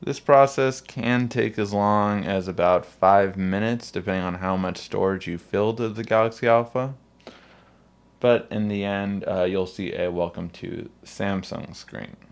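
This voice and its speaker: A man's voice: on the low side, measured pace, smooth. A man hosting a casual step-by-step tech tutorial, talking the viewer through each step. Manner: spells out his name letter by letter in intro and sign-off.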